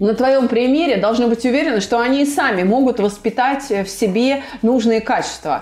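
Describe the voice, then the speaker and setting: Her pitch is high and her intonation lively as a woman speaks. She moves at a moderate pace. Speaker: podcast host. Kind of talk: casual interview.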